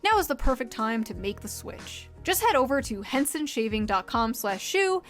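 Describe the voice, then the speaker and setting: A woman's voice: fairly high pitch, sing-song, normal speed. A woman delivering scripted but conversational video commentary in a wry manner. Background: music.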